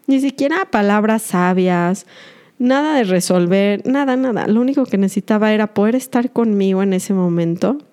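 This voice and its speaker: A woman's voice: medium pitch, moderate pace, dark tone, clear, resonant tone. A woman podcast host, earnest and confessional, speaking directly to her listeners in a reflective monologue.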